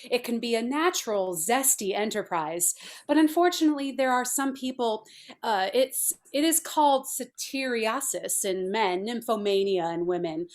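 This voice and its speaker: A woman playing a brisk, haughty feminist artist in a script read, speaking in a formal, clinical, matter-of-fact way. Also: on the high side, lightly acted. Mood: businesslike, blunt. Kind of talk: table read of a film script.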